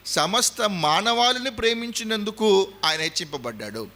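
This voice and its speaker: High, bright-voiced Telugu preacher man. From India. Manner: emphatic preaching, repeats points and quizzes the audience. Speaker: pastor. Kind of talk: sermon.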